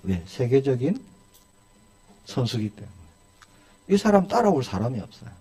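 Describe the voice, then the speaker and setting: A man's voice: mid-range voice, very animated, moderate pace, mellow. A male pastor preaching a sermon in a church, asking his congregation one rhetorical question after another.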